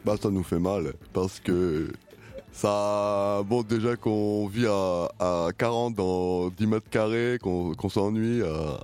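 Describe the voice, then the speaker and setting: A man voicing a gloomy farm pig with a Swiss French accent, speaking slowly and deadpan. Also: lowish voice, smooth, faint music behind. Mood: mournful. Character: gloomy farm pig, male, cramped and bored. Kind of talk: comedy sketch on radio.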